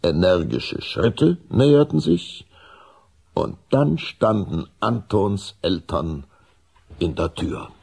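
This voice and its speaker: A storyteller for a children's vampire audio play, very husky and low. He narrates slowly, with lively swings of pitch. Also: full character voice. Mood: storytelling. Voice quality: gravelly, husky.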